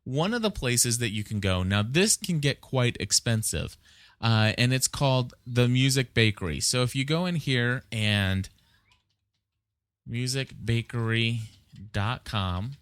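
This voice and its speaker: A man's voice: mid-range voice, animated, measured pace, a bit bright, no room sound. A man hosting a podcast, explaining things in a casual, conversational way with frequent asides. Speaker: podcast host.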